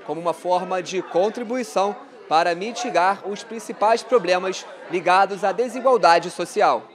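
Young Brazilian male TV reporter. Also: sits high. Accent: Brazilian Portuguese. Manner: clear, steady reporter delivery. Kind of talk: news report narration. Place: large indoor event hall. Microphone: handheld mic.

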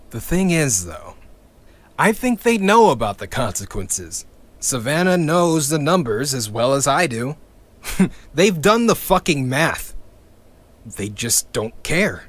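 A man's voice: medium pitch, big pitch swings, takes it slowly, pauses often. An actor playing a bitter young male activist in an audio drama, sardonic and swearing, with wry laughs between his lines. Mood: angry.

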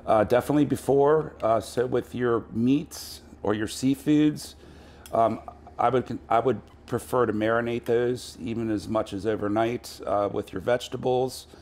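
A man's voice: mid-range voice, normal speed, a little hiss or hum. A middle-aged man, a chef, casually talking through a recipe at a pub bar with plenty of ums and uhs. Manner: relaxed, many ums and uhs. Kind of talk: casual cooking demo.

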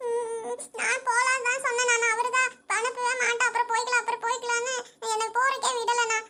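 A woman's voice: very high voice, little pitch movement, rapid-fire, noisy background. A woman voicing a sobbing young cartoon sister. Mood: tearful. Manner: pleading, childlike whimpering. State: crying, sobbing. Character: tearful young pregnant village sister. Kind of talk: cartoon voice acting.

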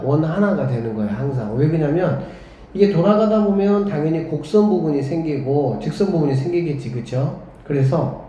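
Man, math teacher, rhetorical questions, dark mellow voice, slightly high pitch. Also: slight background noise. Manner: questioning, leads students with rhetorical checks; talks while drawing on the board, murmuring along. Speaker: academy director teaching math. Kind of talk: whiteboard math lesson. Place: classroom. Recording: echoey classroom on a dull lo-fi mic.

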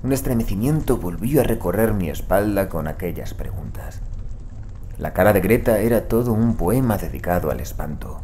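Man acting anxious, deep-voiced horror investigator. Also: animated, moderate pace, dark tone, slight background noise. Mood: tense narration. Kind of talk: audio drama acting and first-person narration.

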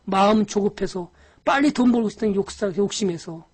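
A woman's voice: medium pitch, fairly quick, a little mellow, breathy edge. A woman giving a live-streamed lecture on stock investing. She talks to viewers directly in a scolding, exasperated way, with frequent sighs.

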